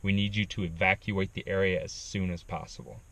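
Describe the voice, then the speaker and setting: A man's voice: deep voice, fairly even intonation, a little fast, a bit bright. A man voicing a stern male forest ranger who speaks in urgent commands.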